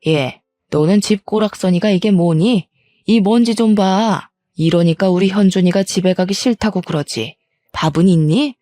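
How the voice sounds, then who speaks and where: A woman voicing a harsh, nagging middle-aged mother-in-law who belittles with rapid-fire questions. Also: medium pitch, dark tone, dry recording, natural voice. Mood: scolding.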